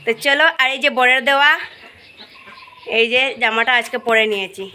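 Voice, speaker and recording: A woman's voice: on the high side, fairly quick. A woman with a Sylheti-tinged Bengali accent chatting casually to her viewers while out and about. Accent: Sylheti-influenced Bengali. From India. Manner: chatty, addresses viewers directly. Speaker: vlogger. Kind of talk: casual vlog chat. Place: outdoors and in an auto-rickshaw, on the move. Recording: phone video with loud traffic noise. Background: vehicle noise.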